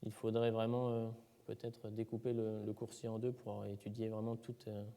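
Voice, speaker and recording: A man's voice: fairly low pitch, completely flat delivery, moderate pace, dark tone. A man presenting excavation results at a seminar, hesitant, with many fillers and restarts. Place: lecture hall. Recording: reverberant lecture hall.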